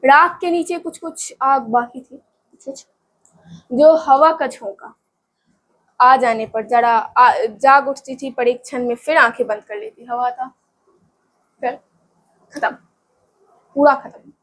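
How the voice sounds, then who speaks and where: A woman's voice: sits high, takes it slowly, long pauses, fairly bright tone. A woman teacher reading a story aloud for students, often breaking in to explain it in plain everyday speech and check that they follow.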